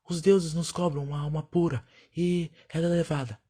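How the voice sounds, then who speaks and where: A woman acting a husky, mellow older tribal matriarch. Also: sits low, steady tone, normal speed. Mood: solemn, insistent. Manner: solemn, imperious. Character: stern older female tribal leader, devout and fearful. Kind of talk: audio drama acting.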